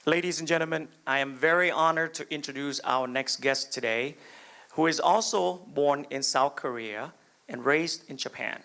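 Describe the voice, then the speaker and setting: A man introduces a speaker in a formal, announcing manner. His voice is high and bright, with a gravelly edge. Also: moderate pace. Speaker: emcee.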